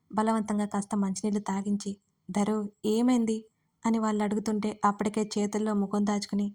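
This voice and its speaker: A woman narrating a scripted audio story in a steady, even reading. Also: medium pitch. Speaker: storyteller and writer.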